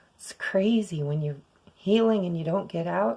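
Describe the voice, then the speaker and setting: A woman is soft-spoken, with ordinary pitch variation. Her pace is moderate. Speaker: tarot reader. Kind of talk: tarot reading vlog. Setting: at home.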